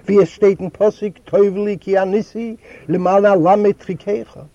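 A man's voice: high voice, steady tone, moderate pace, mellow, no echo, muffled recording, voice pushed up. A man reading aloud, voicing a stern, scholarly old rebbe who preaches and exclaims. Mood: admonishing.

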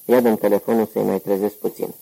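A man's voice: lowish voice, flat delivery, creaky, warm tone, low-quality recording. A man doing a lazy, sardonic gangster.

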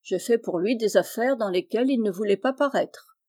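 A woman's voice: fairly high pitch, normal speed, darkish tone, close to an everyday voice. A woman voicing a boastful, scheming young man in a storybook reading, smug and offhand.

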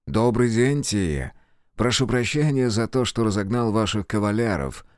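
A man reading a courteous, brisk gentleman scholar of magic in his own low voice. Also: animated, no room sound, studio quality, lightly acted.

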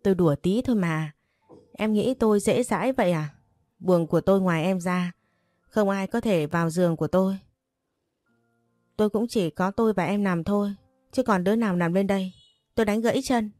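A man's voice: high-pitched, a little fast, pauses often, a little mellow, dry recording, clean studio sound, faint music behind, natural voice. A woman reading the part of a teasing, possessive young master of the house, in a storybook. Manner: teasing and bossy.

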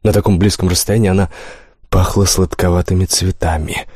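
A man reads a first-person novel aloud in a calm, steady way, slipping in wry asides. His voice sits low, and the recording is dry and close, with no room sound. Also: a little fast, breathy edge, dry recording. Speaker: audiobook narrator.

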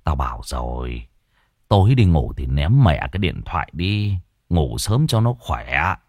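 A man voicing a gruff, grumbling middle-aged father. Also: rumbling low, sing-song, a little slow, darkish tone, dry recording, clean studio sound, voice pushed down, exaggerated voice.

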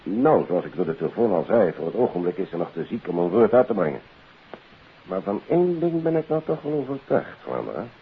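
An actor playing a businesslike, deliberate police investigator in a 1950s radio detective drama. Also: male voice, on the low side, big pitch swings. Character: matter-of-fact male police investigator reporting on a case. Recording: hissy, tinny 1950s radio recording.

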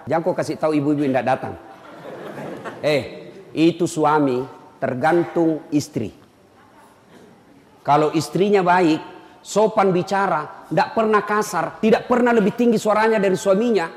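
A man preaching a humorous sermon to a crowd, animated and teasing, shouting his points. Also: high voice. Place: large echoey hall with audience. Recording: echoey hall, long reverb, faint noise.

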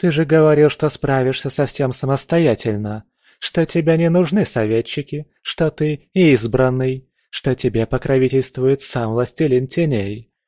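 A man's voice: medium pitch, unhurried, dry recording, studio quality, voice pushed up, close to an everyday voice. A man voicing a haughty, scornful young princess who mocks and barks orders. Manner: mocking, imperious, shouting.

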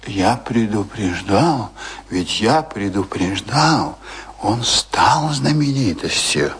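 A man's voice: fairly low pitch, expressive, slow pace, a bit bright, husky, full character voice. A man acting in a Russian radio play as a scornful, insistent brother, speaking in pointed warnings. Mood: reproachful, insistent. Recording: radio drama with music underneath.

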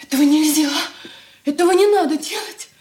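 An actress playing an emotional, pleading young poor relative in a radio drama. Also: female voice, high voice, fairly quick, dark tone, a little hiss or hum, natural voice. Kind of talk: 1980s radio drama acting. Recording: roomy room.

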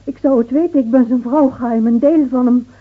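An actress playing a bitter, grieving village wife in an intense, emotional radio drama. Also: female voice, high voice, moderate pace. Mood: anguished, despairing. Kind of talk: Dutch radio drama acting. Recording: muffled, phone-like old radio recording.

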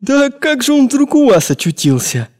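A man's voice: sits high, animated, takes it slowly, warm tone, clean tone, pitched above the performer's own voice, full character voice. A man reading an audiobook, voicing a frightened young servant boy who answers meekly and stammers. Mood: relieved. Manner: meek, deferential, stammering.

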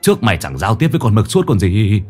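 A man's voice: lowish voice, very animated, fast, darkish tone, husky, faint music behind. A man voicing a jittery young male sidekick, stammering and jumpy. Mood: nervous urging.

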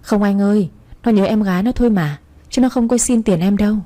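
A woman's voice: mid-range voice, brisk, mellow, natural voice. A woman voicing a short-tempered mother who scolds her daughter and turns timid before her husband. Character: harsh, short-tempered mother of two girls.

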